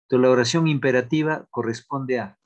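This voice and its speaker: A man teaching an online grammar class, talking haltingly with many fillers and restarts, and repeating example sentences aloud. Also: mid-range voice.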